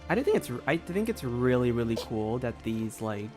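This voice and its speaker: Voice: mid-range voice, very animated, moderate pace, a little mellow. A game streamer giving casual reaction commentary in a tentative, rambling way. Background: game music.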